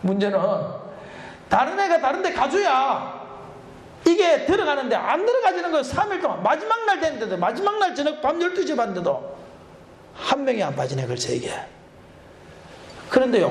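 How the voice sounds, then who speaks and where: A middle-aged male pastor with a strikingly high voice preaching a revival sermon. His delivery swings in pitch as he tells stories with frequent laughter, recorded with heavy echo in a church sanctuary. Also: quick pace, creaky, slight background noise. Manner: animated storytelling with laughter. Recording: echoey church hall.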